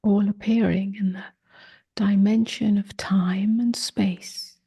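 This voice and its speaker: A woman leading a guided meditation, speaking softly in short phrases with long pauses, gentle and often close to a whisper. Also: medium pitch, fairly even intonation. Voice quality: soft, breathy, husky, often near a whisper. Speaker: meditation teacher.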